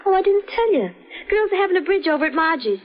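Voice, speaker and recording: An actress playing a breezy, gushing young wife in old-time radio drama, with an effusive theatrical manner. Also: female voice, very high-pitched, very animated, fast talker. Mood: casual, breezy. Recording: muffled old radio broadcast.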